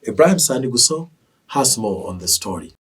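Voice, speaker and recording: A male news anchor with a Nigerian accent delivers scripted bulletins formally and with measured phrasing. His voice is husky and mid-pitched, picked up a little way from the microphone. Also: big pitch swings, recorded from a distance.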